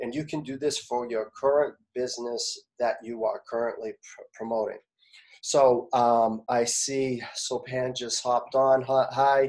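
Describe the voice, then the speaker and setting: Speaking in a Boston accent, a man uses a medium pitch and a flat, monotone delivery at a fairly slow pace. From US Northeast, Boston area. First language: Portuguese. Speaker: online business coach. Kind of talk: webinar training. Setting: live webinar.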